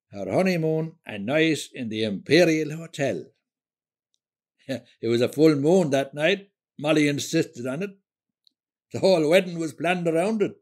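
An older Irish husband in a radio play, a tender romantic looking back. He speaks slowly and haltingly in a husky voice, with soft music behind him. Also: medium pitch. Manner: halting, repeats words, wistful. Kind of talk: radio drama monologue, reminiscing.

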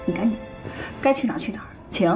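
A sharp-tongued wife who scolds and orders her husband about, her fairly high voice rising and falling a lot, played by an actress. Loud music plays under the scene. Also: animated, fast, close to an everyday voice. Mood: scolding. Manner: scolding, curt. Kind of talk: TV drama acting.

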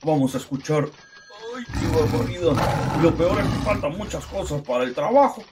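A worn-out, grumbling cartoon dad, put on by a woman who pushes her voice way down. He talks, sighing and muttering exclamations, and his pitch still swings about in a lively way. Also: normal speed, heavy background noise. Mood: weary grumbling. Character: weary middle-aged father and office worker, grumbling but kindly. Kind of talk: animated cartoon skit.

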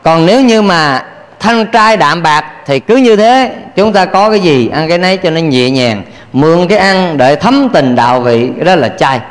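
A Buddhist monk gives a playful sermon, often quizzing his listeners and laughing along with them. His voice sits high for a man. The sound carries a long reverb, as in a hall. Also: lively intonation, normal speed. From Vietnam. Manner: playful, asks the audience questions, laughs often. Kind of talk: dharma talk sermon.

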